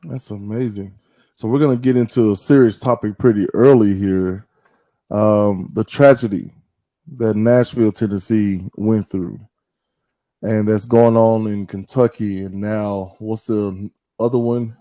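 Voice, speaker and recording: A man hosting a casual interview, asking teasing, animated questions. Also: on the low side, measured pace, dry recording. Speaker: podcast host.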